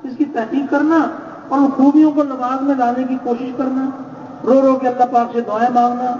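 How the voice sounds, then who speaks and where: Man preaching, high mellow voice, dull lo-fi recording with faint hiss. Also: level tone. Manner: measured, exhorting, repeats phrases. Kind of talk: religious sermon. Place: large gathering space. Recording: echoey, distant, dull lo-fi with faint noise.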